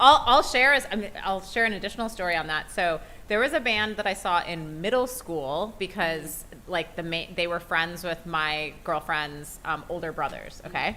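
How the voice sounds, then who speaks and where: Someone with an American accent and a normal speaking voice talks at a moderate pace with lively intonation. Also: woman, fairly low pitch for a woman. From Wisconsin. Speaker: podcast host. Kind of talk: interview. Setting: live podcast taping with audience.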